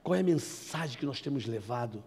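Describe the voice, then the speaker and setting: A man from Rio de Janeiro gives an animated sermon testimony, calling his listeners brothers as he tells a story indoors. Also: mid-range voice, fairly quick, slightly rough. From Brazil, Rio de Janeiro. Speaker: evangelist giving testimony. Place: indoor meeting room.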